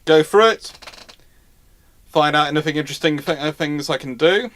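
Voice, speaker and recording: A man's voice: on the high side, normal speed, a bit bright. A man hosting a casual live panel chat, talking as a rambling enthusiast who stumbles and restarts mid-sentence. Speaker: host of a live naval history question-and-answer stream.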